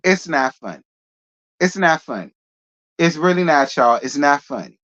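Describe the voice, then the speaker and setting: A man's voice: a little high, expressive, moderate pace, a bit bright. A man hosting casual gossip commentary in a sassy, chatty way with laughing asides. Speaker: host. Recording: dull lo-fi.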